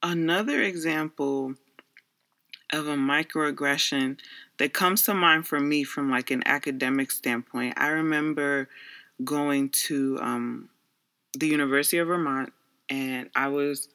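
A man's voice: on the high side, measured pace, sharp tone. A young man from the Bronx, New York, whose first language is Garifuna, earnestly reflecting on his experiences as a social worker. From Bronx, New York, USA. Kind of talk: personal reflective monologue.

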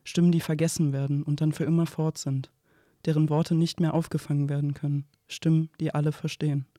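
A reflective man acting as narrator for a poetic radio play. His fairly high male voice is mellow and very even, measured and restrained, recorded dry. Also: no room sound, close to an everyday voice.

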